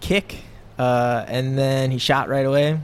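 In a plain, everyday voice, a man with an American accent speaks at medium pitch and a fairly slow pace. His intonation stays fairly even. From Minnesota, US. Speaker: MMA fighter. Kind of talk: casual chat.

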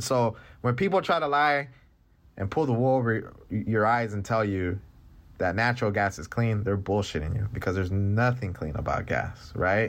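This man has an unremarkable speaking voice with a fairly low pitch. His pace is moderate and his pitch variation ordinary. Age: 30s. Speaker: environmental activist. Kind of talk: interview.

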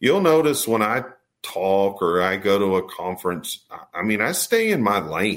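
A fairly low-pitched man with a Texan accent and lively intonation, in a very clean recording with a silent background. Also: fairly slow pace. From Texas. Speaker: fire chief. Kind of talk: casual chat.

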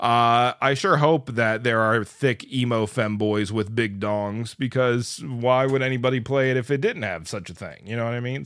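In a very clean recording with a silent background, a man with a normal speaking voice talks at a moderate pace, with a medium pitch and ordinary pitch variation. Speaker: podcast host. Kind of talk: podcast monologue with listener emails. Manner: casual, filler-heavy.

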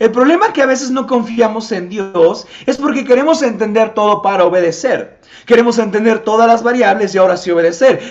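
A man's high-pitched voice at a fairly quick pace, with ordinary pitch variation and hardly any pauses. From Mexico, Tepetitla (Puebla). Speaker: pastor. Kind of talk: sermon.

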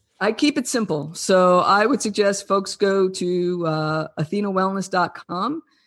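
A woman with a New Jersey accent speaks at medium pitch with ordinary pitch variation, at a fairly slow pace with hardly any pauses. The recording is very clean, with a silent background. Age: 50s. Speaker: health and wellness coach, former corporate executive. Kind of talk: interview answers, conversational.

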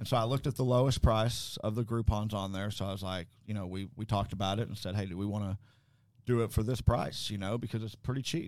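Talking very fast with a Texan accent, a man with a fairly low pitch and ordinary pitch variation is heard on a very clean recording with a silent background. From Texas, Abilene. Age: 40s. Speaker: carpet cleaning business owner. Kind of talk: interview.

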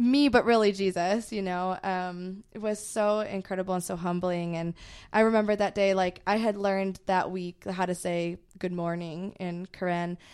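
A woman with a plain, everyday voice speaks at a moderate pace and medium pitch, her intonation fairly even against a quiet background. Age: 20s. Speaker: wedding photographer and volunteer teacher. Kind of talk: casual chat.

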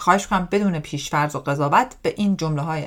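The speech keeps a moderate pace, its pitch varying in an ordinary way, on a very clean recording with a silent background. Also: woman. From Iran. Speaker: life coach, podcast host. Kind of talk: solo talk monologue. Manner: casual conversational.

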